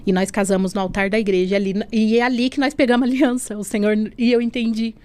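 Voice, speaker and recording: A woman's voice: fairly high pitch, fairly even intonation, quick pace, smooth. A woman sharing an emotional faith testimony on a podcast, acting out the dialogue she remembers and often adding tag questions. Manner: storytelling that acts out remembered dialogue; leans on tag questions and softening fillers. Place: podcast studio.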